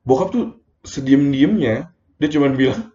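A young man recounts a personal episode in loose, slangy talk, stumbling over his words when feelings rise. His voice sits warm and mellow. The recording is a dull, lo-fi phone voice message in a roomy space. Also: medium pitch, lively intonation, a little slow. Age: young adult. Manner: slangy, emotional retelling with many fillers. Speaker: storyteller. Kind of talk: casual personal monologue.

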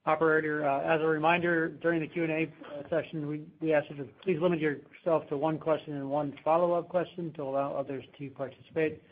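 Fast, higher-voiced man on a phone line. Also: level tone. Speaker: earnings call moderator. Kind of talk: procedural conference call announcement. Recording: tinny, phone-like conference line.

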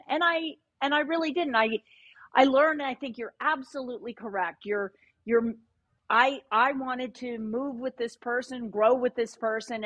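A woman's voice: fairly high pitch, no room sound. A middle-aged woman hosting a podcast, talking candidly and reflectively in casual chat, often restarting her sentences. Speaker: podcast host. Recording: dry, muffled lo-fi mic.

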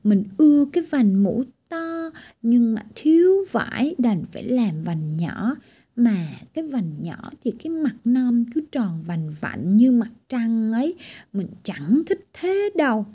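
A woman's voice: a little high, sing-song, measured pace, dark tone, husky, exaggerated voice. A woman voicing a vain white-haired tiny girl who complains while fussing with her hat in a children's storybook. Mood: fretful. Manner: complaining, exclaiming.

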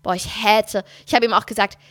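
A woman's voice: mid-range voice, steady tone, brisk, fairly bright tone, no room sound. A woman in her thirties chatting casually as a podcast co-host, telling stories candidly and animatedly. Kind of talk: casual chat.

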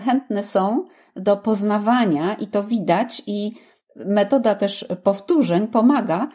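A woman who runs social skills classes for children, speaking in a thoughtful, halting way in a casual discussion. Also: mid-range voice, warm tone.

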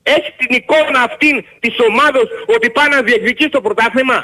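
A very high-pitched man with a bright, cutting tone argues loudly as a radio caller. He is insistent and keeps talking over the host, pressing each point again and again. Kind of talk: heated call-in argument.

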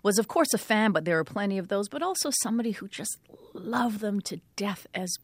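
A Canadian-born woman in her fifties talks candidly as a radio guest, earnest and thoughtful, with many ums. Her voice sits at a middle pitch. The sound is close and dry, with no room around it. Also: lively intonation, a little fast, no echo. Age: 50s. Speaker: guest, author. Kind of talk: radio interview, reflective storytelling.

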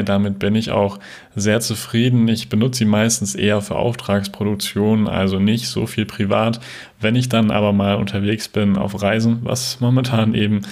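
Male contributor from the Ruhr, lowish pitch with vocal fry, even delivery, informal message. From Ruhr area, Germany. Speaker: listener sending a voice message.

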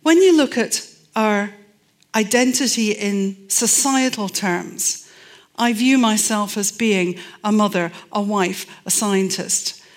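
A woman's voice: mid-range voice, takes it slowly. A middle-aged Scottish woman, a forensic anthropologist, giving a public talk and telling stories with dry humor and emphasis. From Scotland.

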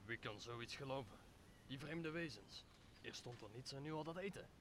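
A tired, gentle old man acted by a young man in a radio play. His voice is mid-pitched and there is faint background noise. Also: expressive, normal speed, natural voice. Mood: amazed. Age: young adult. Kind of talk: Dutch audio drama of Shakespeare.

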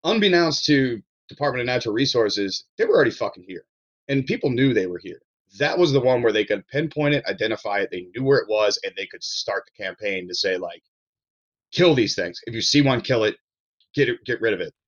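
A man's voice: medium pitch, animated, fairly quick, lo-fi sound. A man from Maryland talking casually on a podcast as a chef guest, rambling with restarts and blunt swearing.

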